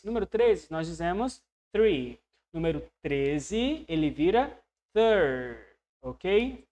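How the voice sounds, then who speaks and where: A man with a Brazilian Portuguese accent teaching English, who explains patiently, checks in with the learner and drills words slowly. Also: high-pitched, a little mellow. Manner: voices learners' questions to himself. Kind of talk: online language lesson.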